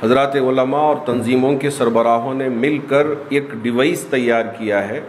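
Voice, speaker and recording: A man's voice: medium pitch, fairly even intonation, a little slow. Man explaining in a reverberant hall. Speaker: community religious spokesman. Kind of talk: press conference explanation. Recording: reverberant hall with faint noise.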